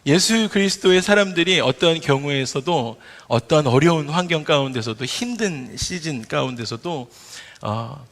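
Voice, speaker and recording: Pastor guy preaching, high lively voice, big churchy echo. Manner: animated, emphatic, rhetorical questions to the congregation. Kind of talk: sermon. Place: church sanctuary. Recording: long hall reverb in a church.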